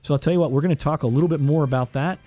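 Male talk-radio host, casual, quick, close dry studio sound. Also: on the high side, warm tone, no echo, faint music behind. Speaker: car-advice radio show host.

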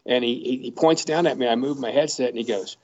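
A man who broadcasts sports, telling stories in a casual podcast chat with animated, quick bursts. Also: medium pitch, muffled recording.

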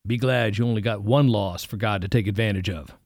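A gruff older preacher, as a male reader puts him on, blunt and folksy, barking orders with a raised, commanding voice. He sits in a dry, close-miked sound with no room around it. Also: fairly low pitch, brisk, darkish tone, no echo.

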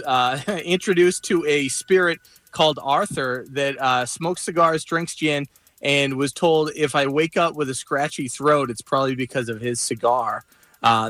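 A man reporting live for a radio show, telling his experiences casually and haltingly, with repeated starts. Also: medium pitch, fairly bright tone, no echo. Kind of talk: casual live on-air storytelling.

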